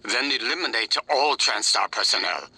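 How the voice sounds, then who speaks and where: Corporate chairman, businesslike, commanding, sharp bright voice. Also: lowish voice, lively intonation, moderate pace, husky, no echo, full character voice, rough recording. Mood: cold. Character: cold corporate male chairman.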